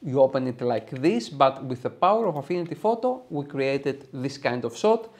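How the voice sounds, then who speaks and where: A man's voice: mid-range voice, very animated, moderate pace. A man in his thirties with a Greek accent, giving an enthusiastic step-by-step tutorial to viewers. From Greece. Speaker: photo editing tutorial host. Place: small room, home studio.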